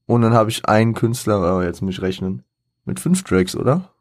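A man hosts a casual solo podcast, thinking aloud and rambling with many fillers and self-corrections while counting things off. His lowish voice is expressive, at a normal speed, and the studio-quality recording has no room sound.

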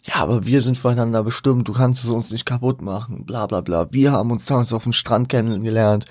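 A man's voice: mid-range voice, fairly quick, darkish tone, no room sound, clean studio sound. A young man chatting casually in German about a rap album, rambling and correcting himself as he goes. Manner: rambling, self-correcting, laughs often. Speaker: podcast host. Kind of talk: casual music commentary.

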